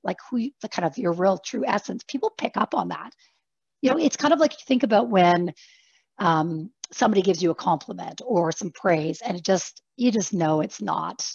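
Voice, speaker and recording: Fast-talking woman coaching over video call. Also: lowish voice, vocal fry, husky, no echo, dull audio. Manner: fast-talking, animated, acts out examples. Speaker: executive coach. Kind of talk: online workshop talk.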